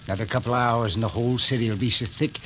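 An actor playing a suspicious old cemetery caretaker, drawling and stubborn, in a 1940s radio drama. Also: male voice, mid-range voice, fairly even intonation, very fast, fairly bright tone, lightly acted. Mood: gruff. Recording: old radio recording with faint hiss.

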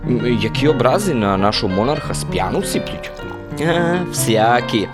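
An actor playing a good-natured, simple-minded soldier who rambles naively and confidently in a radio play. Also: male voice, medium pitch, expressive, normal speed, close to an everyday voice. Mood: rambling, chatty. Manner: rambling, naive tavern philosophizing with confident pronouncements. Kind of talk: radio play character acting. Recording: music under the voice.

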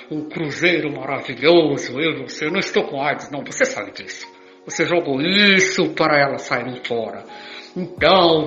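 A man's voice: a little high, fairly bright tone. An older Brazilian man playing a boastful, romantic old womanizer in an amateur radio soap. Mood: romantic, wooing. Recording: muffled, echoey voice clip with faint music.

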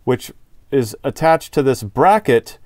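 A man's voice: mid-range voice, animated, slow, a little mellow, no room sound, clean studio sound. A man hosting a DIY car repair video, explaining each step in plain words as he works with his hands. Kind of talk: hands-on tutorial narration, talking while working.

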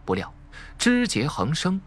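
A man's voice: on the high side, huge pitch swings, a little slow, a little hiss or hum. A man narrating a suspense audiobook in a dramatic, emphatic storytelling manner.

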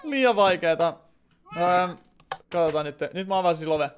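A man's voice: high-pitched, expressive, a little hiss or hum. A man casually commentating his game stream, playful and chatty with lots of fillers.

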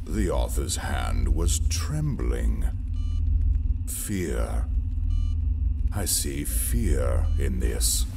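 An actor playing an imperious, scholarly villain lord in a sci-fi audio drama, deliberate and brooding, pausing between phrases. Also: male voice, a bass voice, big pitch swings, gravelly, over music, full character voice. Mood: absorbed, brooding. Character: imperious, scholarly villainous male lord, obsessed with ancient power.

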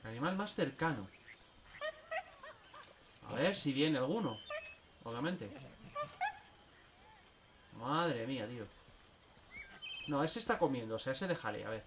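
A man streaming a zoo game, chatting casually and coaxing the animals in a playful, excitable way. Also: medium pitch, unhurried, pauses often, distant mic, background noise. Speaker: gameplay streamer. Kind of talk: casual gameplay commentary.

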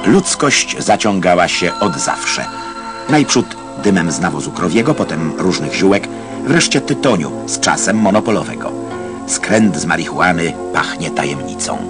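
A man reading a scripted old newsreel voice-over in a measured, wry manner. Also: deep voice, big pitch swings. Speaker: newsreel narrator. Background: music.

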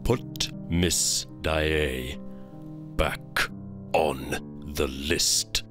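An actor playing a calm, menacing phantom in an audio drama, measured and commanding. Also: male voice, rumbling low, music in the background, full character voice. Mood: calm menace. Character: menacing, calm male phantom lurking unseen.

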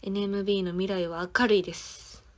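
A woman's voice: mid-range voice, flat delivery, fairly quick. A woman in her twenties with a Kansai accent, chatting casually on a phone livestream, giggling and answering viewers' comments one by one. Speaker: idol singer hosting a livestream.

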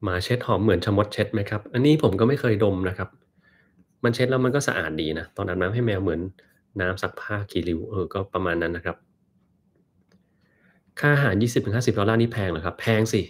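A man casually answering viewer questions on a live stream, relaxed and joking. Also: fairly low pitch, fast talker. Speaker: host answering live chat.

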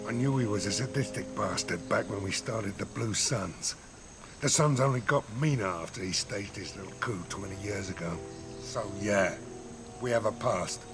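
An actor playing a bitter, ruthless older male mercenary in a video game, gruff and profane with a gravelly voice. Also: lowish voice, normal speed. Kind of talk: cinematic video game acting. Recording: dramatic music behind the voice.

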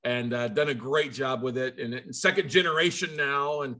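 A man's voice: mid-range voice, moderate pace, bright, forceful tone. An American man in his forties hosting a video-call session in a casual, effusive, rambling and jokey way. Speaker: host of an online conference. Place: indoors, video call with virtual background.

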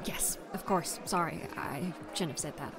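A woman in her twenties playing a lively, teasing young influencer friend in an audio drama, with music under her voice. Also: on the low side, normal speed, vocal fry. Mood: chatty.

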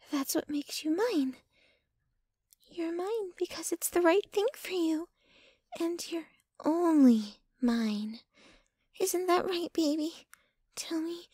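A woman's voice: high-pitched, warm tone, no room sound. A woman playing a jealous, possessive, dominant yet clingy young girlfriend in an intimate, whispery ASMR roleplay, close to the microphone. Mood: needy, possessive. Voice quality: breathy, whispery. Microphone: close microphone, dry.

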